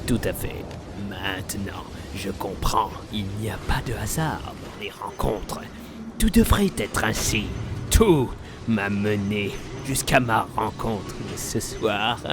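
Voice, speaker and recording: A man playing a mad, theatrical supervillain clown in a French game fan dub, menacing and wistful, with a creaky voice. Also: fairly low pitch, expressive, takes it slowly. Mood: confiding. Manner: theatrical monologue, breaking into cackles. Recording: dramatic music behind the voice.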